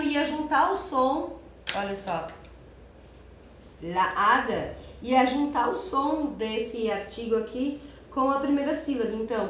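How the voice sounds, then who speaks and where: A woman's voice: a little high, reverberant, slight background noise. A young adult woman teaching Spanish for an exam, explaining step by step in a chatty way and checking in with her students often. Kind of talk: exam-prep lesson.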